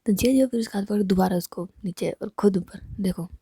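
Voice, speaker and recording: Woman storyteller, hushed and intimate, warm gravelly tone, dry close mic. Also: mid-range voice, fast talker, no echo. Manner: intimate, mostly whispered narration. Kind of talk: retelling a romance story.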